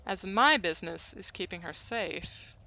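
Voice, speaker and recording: A man voicing a small, cheerful woman samurai who teases and probes gently. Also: high voice, animated, a little slow, gravelly, pitched above the performer's own voice, exaggerated voice. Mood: teasing. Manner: playful, gently probing.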